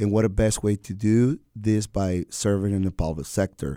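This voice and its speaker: With a very clean recording, a silent background and a dry, close sound with no echo, a man speaks with ordinary pitch variation. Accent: Venezuelan. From Venezuela. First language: Spanish. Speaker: city council candidate and small business owner. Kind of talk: radio interview.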